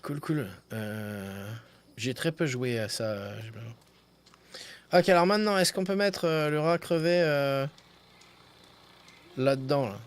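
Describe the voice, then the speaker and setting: A man's voice: medium pitch, a little slow, long pauses, smooth. A man streaming a video game with casual commentary, muttering joking asides. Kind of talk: casual live gameplay commentary. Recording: noisy game sound behind. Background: video game audio.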